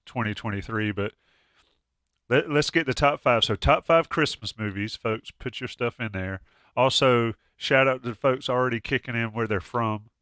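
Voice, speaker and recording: A man's voice: mid-range voice, normal speed, a bit bright, no room sound, studio quality. A man hosting a casual sports chat, stuffy from a cold, joking and restarting often. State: congested with a cold. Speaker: podcast host.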